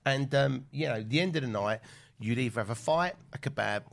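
A man's voice: mid-range voice, animated, fairly quick, vocal fry. A middle-aged man with a southern English accent, chatting casually as an interview guest and telling anecdotes in a blokey, sweary way. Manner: chatty, sweary storyteller, acting out remembered exchanges. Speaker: podcast guest, event promoter and film producer.

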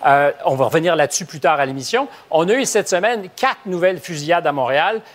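A man with a Québécois accent hosting a studio panel debate, lively and probing, joking with his guests. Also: a little high, fast. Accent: Québécois French. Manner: lively, asks probing questions, jokes with guests. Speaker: talk show host. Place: TV studio with live audience.

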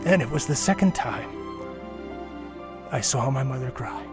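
A male storyteller with a mid-high voice gives a dramatic reading of a nostalgic memoir. He paces it deliberately, leaving pauses and leaning on key words. Faint music plays behind him. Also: animated. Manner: measured, with deliberate pauses and emphasis.

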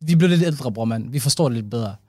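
A man's voice: medium pitch, husky, no echo, clean studio sound. A man co-hosting a casual podcast chat, telling stories animatedly and dropping English slang into his talk. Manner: animated storyteller mixing English slang into speech. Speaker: podcast co-host.

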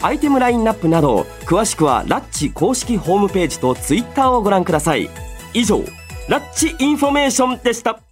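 A radio show host who is also a voice actor switches between casual chat and announcements, polite and chatty, with frequent soft "ne" tags. His high voice is very animated and fast, heard over music.

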